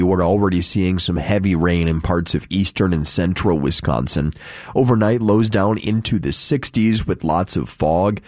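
A man hosting local morning radio news, reading headlines and weather in a friendly, relaxed way. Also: deep voice, dry recording. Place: radio studio.

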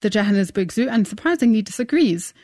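A woman's voice: medium pitch, lively intonation, quick pace, warm tone, dry recording, studio quality. Woman reporting for radio news.

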